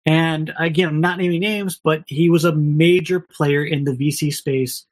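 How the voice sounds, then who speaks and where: A man with a slightly high voice tells stories as a podcast guest. He speaks candidly, rambles and restarts often, and acts out other people's lines as he goes. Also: steady tone, normal speed. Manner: candid, rambling, many restarts and quoted dialogue. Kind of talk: casual storytelling.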